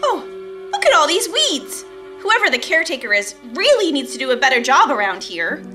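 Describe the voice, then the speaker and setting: A woman's voice: high-pitched, very animated, brisk, pushed and bright, full character voice. A woman acting a young sister in a radio play, pleading and scolding in fright. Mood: mildly annoyed. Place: theatre stage, live reading. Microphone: stand microphone. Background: music.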